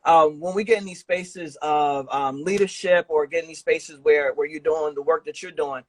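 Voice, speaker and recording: A man's voice: fairly high pitch, fairly even intonation, normal speed, dry recording, poor audio. A man hosting a podcast interview in a casual, slangy, informal way. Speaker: podcast host interviewing a guest. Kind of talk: casual chat.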